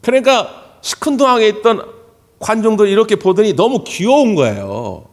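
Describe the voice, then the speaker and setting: Standing at the pulpit in a church sanctuary, a male pastor preaches his Sunday sermon at a normal speed, telling animated stories and performing the quoted voices. His pitch is high and lively, rising and falling as he goes. The sound comes through a pulpit microphone, with the long reverb of a big church hall.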